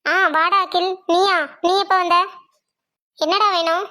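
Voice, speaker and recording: A woman's voice: very high-pitched, steady tone, slow, pushed and bright, heavily acted. A woman voicing a middle-aged mother in a cartoon family story, scolding and fretful.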